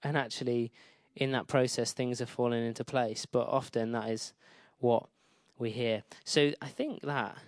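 A man's voice: medium pitch, fairly even intonation, normal speed, dry recording, studio quality. A man giving an informal Christian teaching talk in a conversational, hesitant way, often correcting himself as he goes. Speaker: speaker presenting a book.

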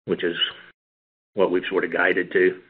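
A man speaking as a company executive, answering questions on an earnings call in a measured, halting way over a phone line. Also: deep voice, monotone. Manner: measured, halting, hedging phrasing. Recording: band-limited phone conference line.

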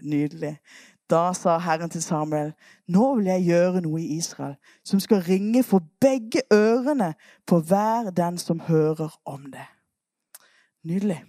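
A woman preacher retelling a Bible story in a lively sermon, coaxing her listeners to act out the parts. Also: on the low side, dry recording, clean studio sound.

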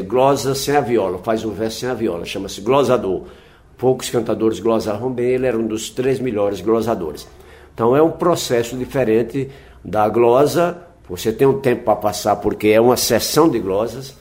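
A man's voice: mid-range voice, darkish tone. A man, a folk singer-poet, speaking in a reflective interview and explaining things patiently with frequent tag questions.

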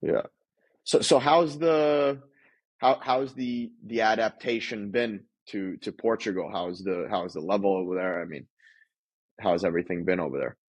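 A man's voice: lowish voice, normal speed, slightly rough, poor audio. A man hosting an interview, agreeable and affirming, leaning on filler phrases as he talks. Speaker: podcast host. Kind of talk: casual interview chat.

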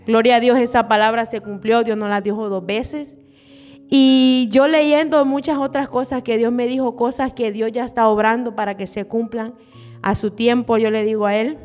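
A young woman from Honduras delivers a church sermon with earnest, slightly nervous energy. Her voice sits a little high, with soft music playing faintly underneath. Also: fairly even intonation, normal speed. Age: 20s. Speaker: church speaker. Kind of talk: sermon and prayer.

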